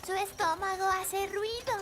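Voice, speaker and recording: A woman's voice: extremely high pitch, fairly even intonation, a little slow, slight background noise. A woman voicing a sweet, curious little fairy princess in a children's cartoon, childlike and earnest, with a Latin American Spanish accent. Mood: curious, helpful. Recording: loud music behind.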